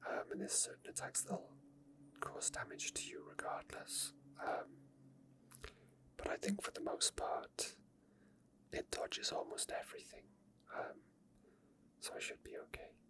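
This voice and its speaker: A person whispering soft, breathy ASMR commentary over video gameplay, explaining each step as it is done. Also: unhurried, long pauses. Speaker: video game streamer.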